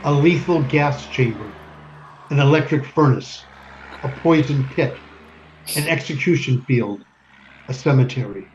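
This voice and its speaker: An actor playing a solemn, bitter ghetto survivor who narrates a stage drama in a deliberate, declamatory way. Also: male voice, medium pitch, a little hiss or hum, lightly acted. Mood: bitter, forceful. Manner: grave, deliberate, declamatory, with emphatic lists. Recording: dull, lo-fi stage recording. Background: music.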